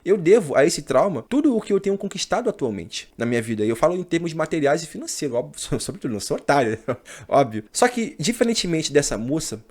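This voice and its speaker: A man's voice: medium pitch, darkish tone. A man in his thirties from Brazil, talking casually to his viewers in a slangy monologue that keeps calling them brother and man. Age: 30s. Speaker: channel host.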